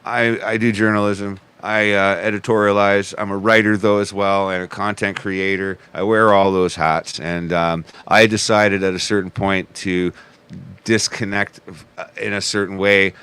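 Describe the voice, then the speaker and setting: Smooth-voiced man in his forties. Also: fairly low pitch, little pitch movement, normal speed, a bit bright. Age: 40s. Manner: rambling with many restarts and profanity. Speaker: podcast guest. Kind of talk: casual chat.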